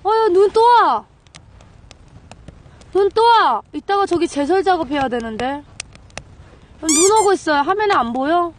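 A woman in her thirties talks straight to her viewers, bursting into squeals and playful teasing. Her voice sits very high. The handheld outdoor recording carries a noticeable hiss of wind and noise. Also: measured pace, long pauses. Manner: excitable, squealing exclamations, playful. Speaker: camping vlogger. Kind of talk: casual vlog chat to viewers. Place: frozen river outdoors in snow. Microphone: handheld camera.

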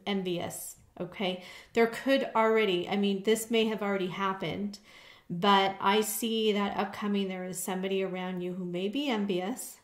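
A woman giving a tarot card reading to her viewers in a casual way, often stopping to check in with "okay?". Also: medium pitch. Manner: conversational, frequent "okay?" check-ins. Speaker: tarot reader. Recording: echoey room.

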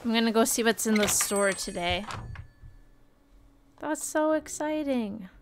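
A woman in her twenties streaming a game. She chats casually and gushes with bubbly excitement. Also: on the high side, a little slow, a little hiss or hum, rough recording. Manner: bubbly, gushing, chatty. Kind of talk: casual gameplay commentary.

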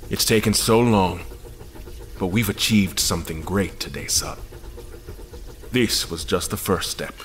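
A man playing a weary, calculating admiral in an audio drama, speaking gravely and deliberately with dry sardonic wit. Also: low-pitched, slight background noise.

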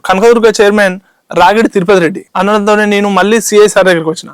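A man with a Telangana Telugu accent talks at a breakneck clip in a high, clear voice. He recounts his grievance with urgency, recounting dialogue and calling the interviewer sir again and again. The sound is close and dry. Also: steady tone, fast talker, no room sound. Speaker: chit fund victim interviewee. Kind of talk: interview testimony.

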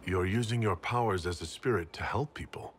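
Man acting deep-voiced, calm fantasy leader. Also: a little hiss or hum, close to an everyday voice. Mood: calm, encouraging. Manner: measured, diplomatic. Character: calm, reassuring male leader of a fantasy order. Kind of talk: video game voice acting.

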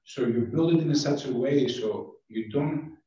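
A man's voice: medium pitch, unhurried, dark tone, distant mic. A man from Greece with Greek as his first language, speaking in a casual town board meeting discussion, searching for words and restarting phrases. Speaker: board member. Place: town meeting room, large table. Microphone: far room microphone. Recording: echoey meeting room from afar, dull.

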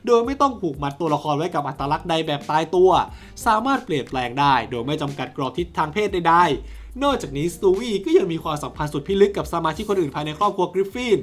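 A narrator reading a scripted video essay on a cartoon character, with a smooth, even delivery and the odd casual aside, recorded close on a voice-over mic. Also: mid-range voice, quick pace, soft background music.

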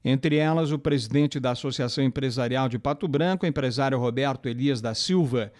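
A man's voice: medium pitch, darkish tone. Man reading a news report. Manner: measured, formal delivery. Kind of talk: scripted news narration.

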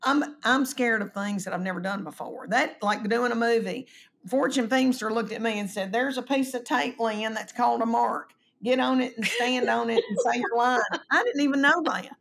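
A woman's voice: on the high side, normal speed, vocal fry. Earnest, self-deprecating woman in her fifties. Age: 50s. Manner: self-deprecating, earnest, trailing off into quieter asides. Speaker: guest comedian. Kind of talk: candid conversational storytelling. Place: home room on a video call. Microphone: video call.

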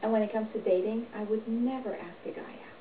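A middle-aged woman performer giving a deadpan, tongue-in-cheek monologue to camera. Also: fairly high pitch, a little fast, noisy background. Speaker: comedy performer. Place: small indoor room, plain wall. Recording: echoey, distant, dull home recording.

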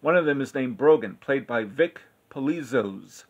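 A man giving a casual spoken film review, rambling and halting, often correcting himself mid-sentence. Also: medium pitch, expressive, muffled recording. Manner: rambling, halting, with frequent self-corrections and filler.

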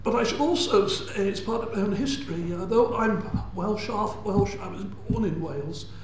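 A man's voice: high voice, moderate pace. An older man with a southern English accent giving a public science lecture in a large hall. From England. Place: large indoor lecture hall before an audience. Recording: echoey lecture hall, faint noise.

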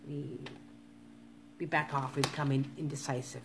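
Low-voiced woman in her fifties. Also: level tone, normal speed, background noise. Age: 50s. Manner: earnest, repetitive motivational urging. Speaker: live-stream vlogger. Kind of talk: casual live-stream monologue to viewers.

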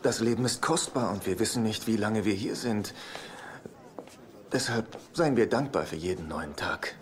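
A man's voice: lowish voice, moderate pace, slight background noise, close to an everyday voice. An actor playing an earnest, moralizing man in a German-dubbed sitcom, speaking in a preachy manner. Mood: solemn, preachy.

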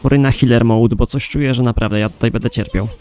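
A man's voice: mid-range voice, fairly even intonation, fast talker, dark tone. A man giving casual let's play commentary as a gamer, reacting in short asides and swearing. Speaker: gaming streamer. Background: game music.

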